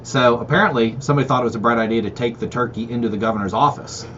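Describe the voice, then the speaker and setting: A man who talks fast, spinning wry anecdotes as a radio guest. His voice comes through slightly dull audio with a faint hiss. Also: medium pitch, fairly bright tone. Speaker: radio show guest, state official. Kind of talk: casual talk radio chat.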